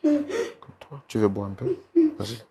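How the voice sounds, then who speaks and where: A man's voice: medium pitch, huge pitch swings, a little slow, creaky. A male talk show host on a studio set, pleading and soothing a guest over and over in an emotional testimony show. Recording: noisy studio recording.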